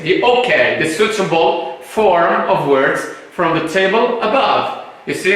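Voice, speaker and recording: A male English teacher from Morocco, a native Arabic speaker, slowly explaining vocabulary to a class, often checking with "right?" and "hmm?". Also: high-pitched, sharp tone. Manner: slow, repetitive explaining with tag questions. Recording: very echoey room.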